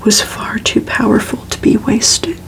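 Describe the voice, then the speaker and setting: A woman reading a book aloud as ASMR in a hushed, breathy whisper with crackly edges. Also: fairly high pitch. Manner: slow, hushed, even delivery. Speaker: ASMR reader and host.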